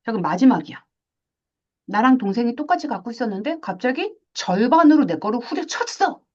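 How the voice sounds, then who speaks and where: A woman teaching a math class, lively, asking questions and acting out little scenes. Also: on the high side, brisk, dull audio. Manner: animated, asks questions and acts out little scenes. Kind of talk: classroom lecture.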